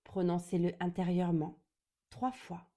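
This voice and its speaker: A woman leads a guided meditation in a fairly low, very warm and relaxed voice. Her pace is slow and deliberate, with long pauses between short phrases. She sounds calm, gentle and soothing throughout. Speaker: yoga nidra guide.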